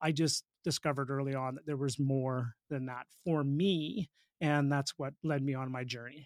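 A man with a Canadian Prairies accent speaks at a fairly high pitch in an energetic tone. The recording is very clean, with a silent background. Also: dry, close sound with no echo. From Saskatchewan, Canada. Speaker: real estate investor and coach. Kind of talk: interview.

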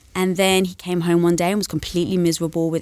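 A woman with an English accent, fairly low-pitched and very fast, with fairly even intonation, in a dry, close sound with no echo on a very clean recording with a silent background. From London, England. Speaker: entrepreneur, podcast guest. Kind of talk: casual interview conversation.

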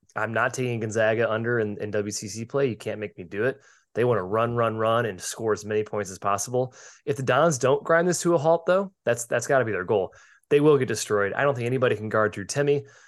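A man with a medium-pitched voice and ordinary pitch variation talks very fast over a quiet background. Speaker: podcast co-host. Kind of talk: casual sports betting chat.

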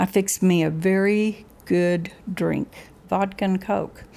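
Her tone is dark and mellow at a medium pitch. The woman's intonation is fairly even. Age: 70s. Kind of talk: casual interview recounting memories.

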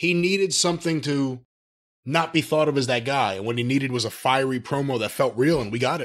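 A man with an American accent and a plain, everyday voice, fairly high in pitch with ordinary variation, at a fairly quick pace, on a very clean recording with a silent background. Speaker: podcast co-host. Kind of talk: casual chat.

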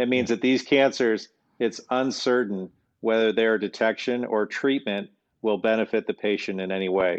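An ordinary speaking voice moves at a moderate pace with fairly even intonation against a quiet background. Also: man, medium pitch for a man. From Canada. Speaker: urologist. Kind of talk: interview.

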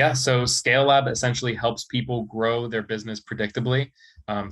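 A man talks in a medium pitch with fairly even intonation and an unremarkable speaking voice. The recording is very clean, with a silent background. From US (Ohio), moved from South Africa as a child. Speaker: marketing agency owner. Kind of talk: casual interview.

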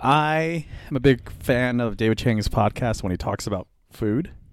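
There is a man with an American accent, a medium pitch and ordinary pitch variation on a very clean recording with a silent background. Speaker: artist and content creator. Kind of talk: casual interview chat.

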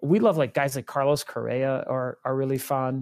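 Recorded dry and close with no echo, very clean against a silent background, a man speaks at a fairly high pitch with a slight Boston accent. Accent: slight Boston twang. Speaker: media company founder. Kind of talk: interview.

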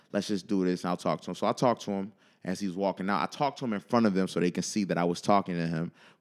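On a very clean recording with a silent background and a dry, close sound with no echo, a man with a very deep, low pitch speaks very fast in an animated tone with ordinary pitch variation. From Buffalo, New York. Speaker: podcast co-host. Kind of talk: casual chat.

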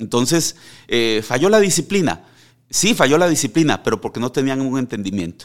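A man with a Costa Rican accent and a fairly high pitch makes very wide pitch swings in a very clean recording with a silent background. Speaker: guest, father of the host, mentor. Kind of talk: casual conversation. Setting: home.

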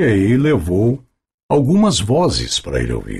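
Vocal fry runs through a man's fairly low-pitched voice. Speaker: voice-over artist. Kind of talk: interview.

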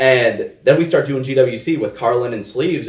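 At a moderate pace, this somewhat breathy voice shows ordinary pitch variation. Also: man. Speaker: esports commentator. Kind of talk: casual chat.

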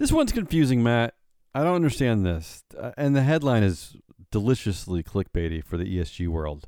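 A man speaks at a medium pitch with a dark, mellow tone. His pitch swings very widely, and the recording is very clean with a silent background. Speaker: podcast host. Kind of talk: casual banter podcast.

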